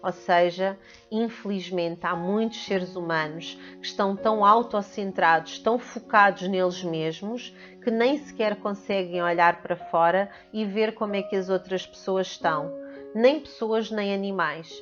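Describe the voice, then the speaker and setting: A woman's voice: medium pitch, normal speed, highs cut off, faint music behind. A woman with a European Portuguese accent, hosting a spiritual video with earnest, emphatic speech and much repetition. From Portugal and the Netherlands. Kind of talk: spiritual talk to camera.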